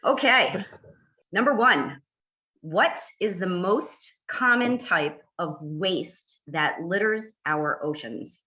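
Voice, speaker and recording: A woman's voice: lowish voice, animated, slow pace, sharp tone, muffled recording. A woman, an environmental attorney, hosting a casual podcast and running a quiz with dry, teasing humor.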